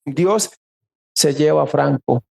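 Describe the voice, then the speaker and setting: A Costa Rican pastor, a man, preaching a sermon with a slightly high, gravelly voice. He tells the story earnestly. His voice rises sharply when he quotes other people. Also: takes it slowly, darkish tone. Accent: Costa Rican Spanish.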